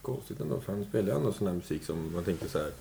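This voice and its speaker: Deep gravelly man, casual eager interviewer. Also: lively intonation, warm tone, slight background noise. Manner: informal, eager, back-channels often.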